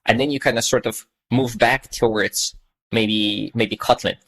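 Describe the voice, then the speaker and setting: The voice belongs to a man in his thirties from Estonia, a native Russian speaker, appearing as a guest on a casual podcast. Medium-pitched and a bit bright, he speaks unhurriedly with fairly even intonation, musing thoughtfully and meanderingly with many fillers.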